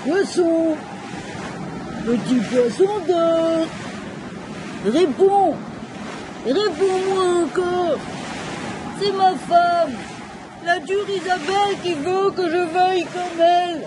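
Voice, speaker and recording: A woman's voice: extremely high pitch, slow pace, pauses often, big-room sound, background noise. A woman voicing a timid, kindly old fisherman in an audio storybook, with a pleading, wondering way of talking. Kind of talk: storybook acting.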